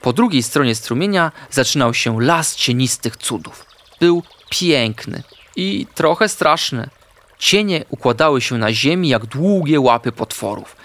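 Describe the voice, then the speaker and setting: A man narrating a children's audio story with lively, expressive storytelling. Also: medium pitch, unhurried.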